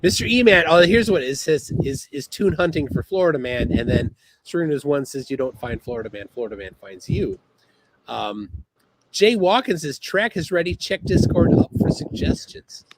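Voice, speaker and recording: A man hosting a casual livestream, reading chat aloud in a halting, laid-back way, speaking outdoors by the water. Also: on the high side, lively intonation, a little hiss or hum, rough recording. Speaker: livestream host.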